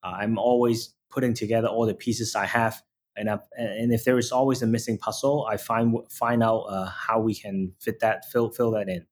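A man's voice: lowish voice, steady tone, normal speed. Hesitant male founder from Hong Kong. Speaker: startup founder guest. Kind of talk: interview answers.

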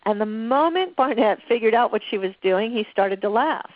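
A woman's voice: a little high, expressive, moderate pace, dry recording, lo-fi sound. Confident woman telling relationship stories. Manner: anecdotal, confident, conversational. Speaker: relationship author guest. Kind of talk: storytelling interview answers.

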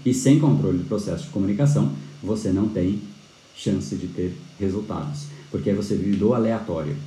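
Dark-voiced man teaching live. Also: fairly low pitch, echoey room, poor audio. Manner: animated, frequent tag questions, restarts. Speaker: persuasion course instructor. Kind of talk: live-streamed lecture.

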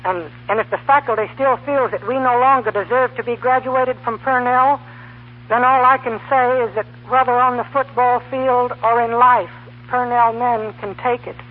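An upright young student with a very high, boyish voice and earnest delivery. It sounds like a tinny 1930s radio comedy with faint hum. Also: male voice, steady tone, moderate pace. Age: young adult.

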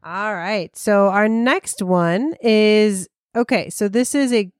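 A woman co-hosting a casual podcast, chatty and quick to laugh, reading passages aloud. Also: mid-range voice, a little mellow, no echo, studio quality. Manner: chatty, laughs easily, reads quotes aloud. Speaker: podcast co-host. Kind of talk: casual chat.

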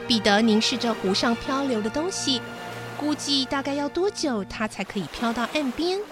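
A woman's voice: high-pitched, lively intonation, normal speed. A woman hosting a children's show, narrating a bedtime story expressively. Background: background music.

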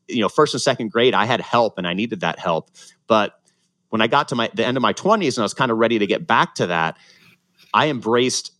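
A man's voice: mid-range voice, a bit bright, no echo. A man, a former pro triathlete telling his story in a casual interview, earnest and reflective, often restarting his sentences. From Ohio, USA, born in Ecuador.

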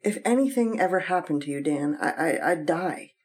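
A woman plays a devoted young wife in an old radio drama. She speaks softly and tenderly. Her tone stays gentle and reassuring throughout. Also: lowish voice, animated, normal speed, natural voice. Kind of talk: 1950s radio acting.

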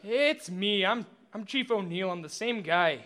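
Bright, high-pitched station bartender guy. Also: animated, a little slow, exaggerated voice. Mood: chatty. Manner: folksy, ends phrases with "eh". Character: cheerful, quirky male space station chief and bartender. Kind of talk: animated sci-fi comedy dialogue.

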